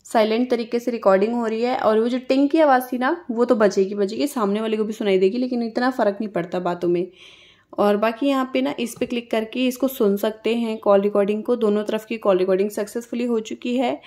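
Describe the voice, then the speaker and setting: A woman's voice: fairly high pitch, fairly even intonation, fairly quick, a little mellow. A woman with an Indian accent hosting a casual step-by-step phone tutorial in a conversational, instructional way. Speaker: tutorial host.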